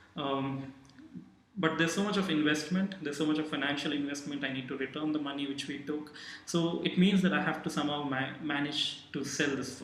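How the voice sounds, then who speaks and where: Background noise is noticeable as a man speaks at a fairly quick pace. His voice is fairly high and his intonation fairly even. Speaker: film director. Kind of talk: casual talk to camera. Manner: unscripted, hesitant.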